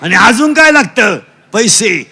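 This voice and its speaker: A man's voice: high voice, very animated, a little slow, pushed and bright, husky. A man with a Marathi accent preaching a comic kirtan, quizzing the crowd and drilling the children in call-and-response, dropping in broken English phrases. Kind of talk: comic devotional sermon with audience call-and-response. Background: crowd answering back.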